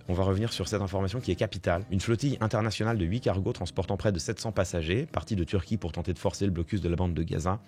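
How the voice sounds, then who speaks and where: A man's voice: deep voice, a little mellow. A man commenting live on the news, reading reports aloud and then adding indignant remarks with many fillers. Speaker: political commentator.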